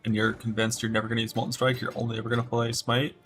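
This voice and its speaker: A man's voice: medium pitch, monotone, rapid-fire, fairly bright tone, soft background music. A man streaming a game, casually talking through build choices in a rambling way. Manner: rambling, many fillers and restarts. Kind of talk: casual gameplay commentary.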